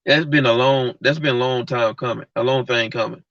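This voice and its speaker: Through a dull lo-fi mic, a livestream host with a medium-pitched, slightly bright voice talks a little fast with fairly even intonation. He unloads a blunt, heated, casual rant full of slang directly at his viewers.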